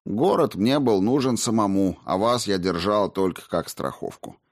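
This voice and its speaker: A man's voice: on the low side, moderate pace. A man voicing a cocky, defiant schemer who brushes off accusations, in a storybook reading. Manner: indignant, then calm and dismissive.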